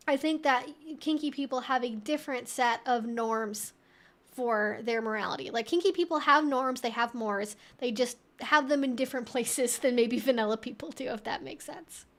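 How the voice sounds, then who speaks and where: A livestream host answers viewer questions in a casual live Q&A, reading out their messages and rambling chattily as she thinks aloud. Her voice is fairly high and fairly bright, at a normal speed.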